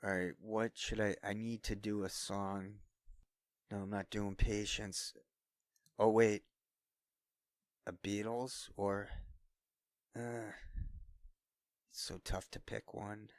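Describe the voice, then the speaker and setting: Man, scratchy voice, slow unscripted musing, smooth close studio mic sound. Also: fairly low pitch, level tone, no room sound. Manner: self-deprecating, thinking aloud. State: voice scratchy from singing. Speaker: solo vlogger. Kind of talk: unscripted rambling between singing attempts. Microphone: studio-quality microphone.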